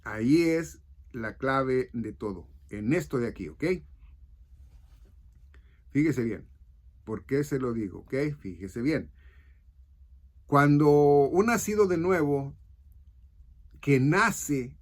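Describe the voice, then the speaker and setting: A man's voice: mid-range voice, animated. A man teaching the Bible in a video, often checking in with his listeners and restarting his phrases. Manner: checks in with frequent "ok?" and "right?"; halting, restarts mid-phrase.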